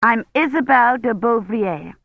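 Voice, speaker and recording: A woman's voice: fairly high pitch, expressive, moderate pace, dry recording, pitched above the performer's own voice. A woman reading a novel aloud, voicing an earnest, eager young female historian who reassures those around her. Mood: reassuring. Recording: dry, slightly dull lo-fi recording.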